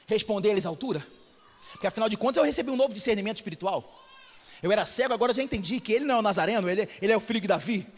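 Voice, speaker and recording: In an echoey church hall, a pastor with a Brazilian Portuguese accent delivers a fervent sermon. His voice is high, and he often climbs into shouted exhortations.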